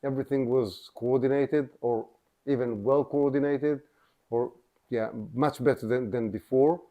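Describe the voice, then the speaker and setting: A man representing a civil society organization, speaking on a panel in a measured way with frequent restarts. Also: mid-range voice, steady tone, warm tone. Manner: measured, restarts sentences, many fillers. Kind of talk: panel discussion.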